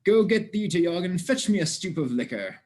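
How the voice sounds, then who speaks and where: A cheerful working gravedigger, acted by a man in a Shakespeare play reading. His voice sits fairly high and swings widely as he teases and argues in mock earnest, blunt and theatrical. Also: sing-song, normal speed, darkish tone. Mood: teasing, cocky. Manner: theatrical, teasing, mock-argumentative.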